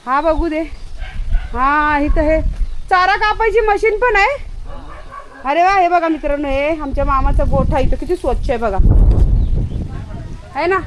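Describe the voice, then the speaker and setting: A woman's voice: high voice, measured pace, pauses often, a little hiss or hum. A woman vlogging on a farm, chatting to viewers and coaxing her pets with repeated words. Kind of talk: casual vlog narration. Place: farm cowshed outdoors with animals.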